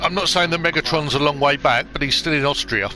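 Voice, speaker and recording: A man's voice: a little high, fast. A man doing casual, jokey race commentary who laughs often. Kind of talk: casual sim-racing commentary.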